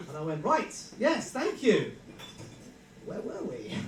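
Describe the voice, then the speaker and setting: A man speaks with an English accent. Noticeable background noise and audible room echo are present. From England. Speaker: comedy show host. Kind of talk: stand-up.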